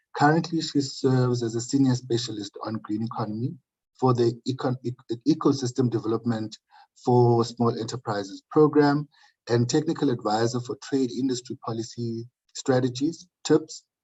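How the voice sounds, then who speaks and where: Somewhat breathy, a man talks at medium pitch and a moderate pace with fairly even intonation. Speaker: webinar moderator. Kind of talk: event moderation. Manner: halting; formal.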